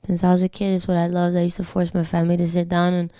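A young Canadian woman, a singer whose first language is Spanish, talks fast and candidly as a guest in a casual interview, full of loose slang and open swearing. Her low, mellow voice has a gravelly fry and stays even and flat. The recording is close and dry.

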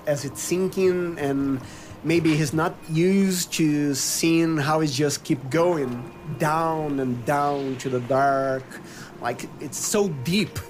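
A man improvising his character's story as a player in a tabletop role-playing game, halting as he searches for words. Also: fairly high pitch. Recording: clear background noise.

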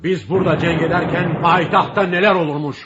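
A man's voice: a little high, fairly even intonation, a little fast, close to an everyday voice. An actor playing a stern Ottoman sultan who gives imperious orders. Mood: commanding. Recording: muffled audio with background noise.

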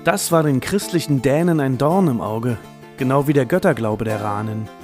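A man's voice: mid-range voice, moderate pace, a little mellow. A man reading scripted narration for an audio walk. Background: faint guitar music.

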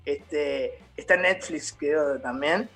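Casting: middle-aged Uruguayan man, a little high, halting guest chat over faint music. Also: a bit bright. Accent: Uruguayan Spanish. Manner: hesitant, many fillers and restarts. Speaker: theatre company founder, guest. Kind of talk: casual interview chat.

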